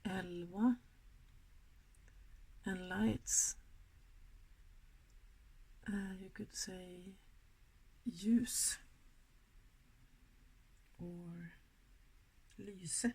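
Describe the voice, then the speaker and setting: Soft, gravelly Swedish-accented woman. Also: on the low side, fairly even intonation, drawn-out words, pauses often, poor audio. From Sweden. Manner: soft-spoken, giggly, often drops to a whisper. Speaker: makeup vlogger. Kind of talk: casual makeup tutorial chat.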